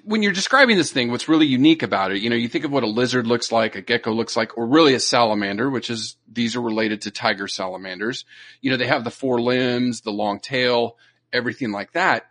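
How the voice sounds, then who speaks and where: A man's voice: mid-range voice, fast talker, a bit bright. A man co-hosting a podcast, explaining animal facts in a loose conversational way, often checking in with "you know" and "right?". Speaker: podcast co-host. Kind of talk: casual educational chat.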